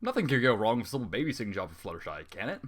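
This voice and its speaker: Animated, bright-voiced man reading aloud. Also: on the low side, very fast. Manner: exasperated, swearing outbursts between narration. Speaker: fanfiction reader. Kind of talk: dramatic story reading with comic reactions.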